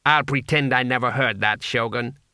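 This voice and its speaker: Guy doing a wily cheery market seller in an audiobook, glib sales patter, kinda bright dry sound. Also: medium pitch, normal speed, clean tone, dry recording. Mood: shrewd, wary. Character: pushy, cheerful male street food vendor, wily haggler.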